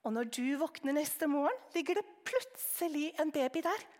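A woman's voice: high voice, lively intonation, darkish tone, pitched above the performer's own voice. A woman voicing a fussy, flustered elderly aunt who tuts at a cheeky child. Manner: tut-tutting, fussy.

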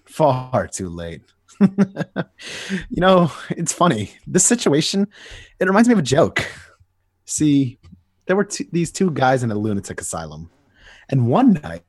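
A man voicing a manic, menacing male clown villain in a dramatic comic reading, theatrical and husky. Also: medium pitch, darkish tone, no echo, clean studio sound. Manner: theatrical, swings between menace and giggling.

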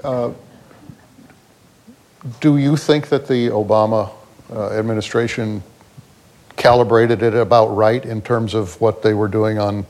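A man's voice: on the low side, fairly even intonation, a little slow, pauses often, a little mellow. A man working as a journalist, putting questions to a guest in a live onstage interview. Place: onstage at a festival.

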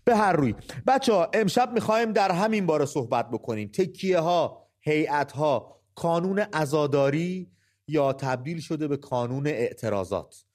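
A man's voice: a little high, lively intonation, darkish tone. A man hosting a live call-in podcast, talking earnestly and asking pointed rhetorical questions. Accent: Persian. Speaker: podcast host.

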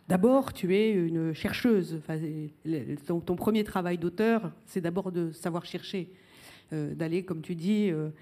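A woman moderating a book talk, with a low, mellow voice. She poses her questions with restarts and fillers. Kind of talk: live book talk interview.

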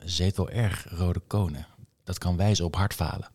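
A man's voice: lowish voice, lively intonation, brisk, darkish tone, close to an everyday voice. A man reading a novel voices a pedantic male psychiatrist. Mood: lecturing.

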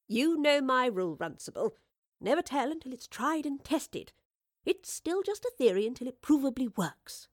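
A woman playing a confident, affectionate lady professor and adventurer in a storybook, brisk and cheerful with old-fashioned politeness. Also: sits high, big pitch swings, no echo, studio quality, pitched above the performer's own voice.

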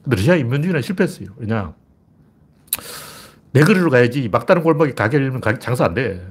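An older man giving a rambling, blunt, rough-spoken commentary monologue in a casual way. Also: medium pitch, big pitch swings, fast talker.

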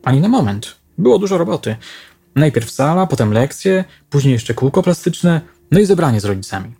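A man voicing a mild, evasive male teacher around forty who talks quietly and tersely. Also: a little high, sing-song, fairly quick, vocal fry, slightly rough, no room sound, voice pushed up, full character voice. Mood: explaining.

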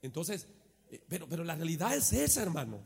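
A pastor preaching a sermon, calling on the congregation to repeat after him, shifting between shouted exclamations and quiet asides. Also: male voice, very animated, fairly quick, gravelly, breathy edge, big-room sound. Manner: swings from shouted exclamations to low conversational asides.

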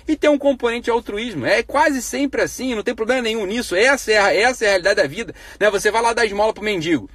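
A man talks at a quick clip to his live stream audience in a high, husky voice. He is blunt and profane, firing rhetorical questions, and the sound is close and dry. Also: fairly bright tone, dry recording. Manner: grows heated and emphatic. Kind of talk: casual live-stream monologue on ethics.

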